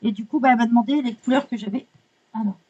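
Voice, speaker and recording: A woman chatting casually while unboxing art supplies, excitable, swearing lightly and apologizing often. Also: a little high, fast, breathy edge, lo-fi sound.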